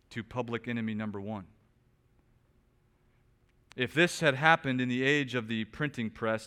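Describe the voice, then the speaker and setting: A man preaching a sermon, asking rhetorical questions and swinging between quiet, low stretches and loud, emphatic bursts. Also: clear, resonant tone. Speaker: pastor. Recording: long reverb of a large hall.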